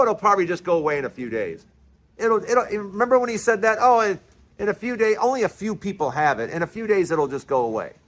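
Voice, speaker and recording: A commentary host in his early sixties delivers an emphatic, passionate monologue, often repeating and restarting words. His voice is a little high with a fairly bright tone.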